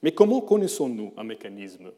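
A middle-aged man who is not a native speaker of the language, giving a formal prepared lecture with a careful, measured delivery and occasional self-corrections. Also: fairly low pitch, very animated, warm tone. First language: not French. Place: lecture hall. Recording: long reverb of a lecture hall.

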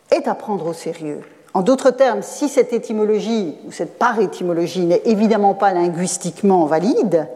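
A woman's voice: medium pitch, mellow, in a large hall. A woman professor giving an academic lecture, explaining at length with fillers and self-corrections. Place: lecture hall.

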